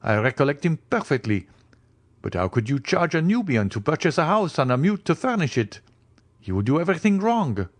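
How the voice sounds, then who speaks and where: Male reader playing a young Parisian viscount, heightened pitch, frank, excitable, polite, spirited, audiobook dialogue. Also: fairly quick. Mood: doubtful.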